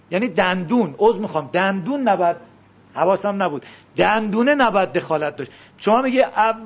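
A man giving a classroom lecture, explaining a text and slowly repeating words to show how to pronounce them. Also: high voice, slightly rough, highs cut off. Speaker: teacher.

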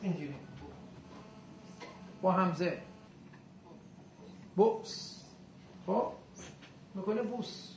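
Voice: medium pitch, lively intonation, gravelly, pauses often, muffled recording, a little hiss or hum. A teacher giving a classroom lesson on Arabic grammar and pronunciation, demonstrating sounds aloud and quizzing the class.

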